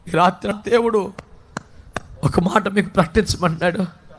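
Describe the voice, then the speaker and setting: A male pastor with a Telugu accent, preaching a sermon with fervour, moving from soft pleading to loud exhortation. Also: high-pitched, measured pace, husky.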